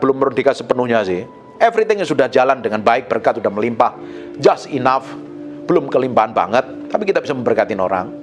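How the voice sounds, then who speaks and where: A pastor, preaching a sermon in a joking, colloquial, animated way. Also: male voice, mid-range voice.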